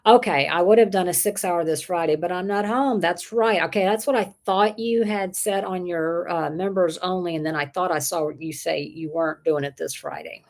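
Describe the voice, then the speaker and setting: A woman's voice: lowish voice, normal speed, vocal fry, hardly any pauses. A woman, chatting casually on a livestream and reading viewer comments aloud, rambling and laughing often. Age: 60s. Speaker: livestream host.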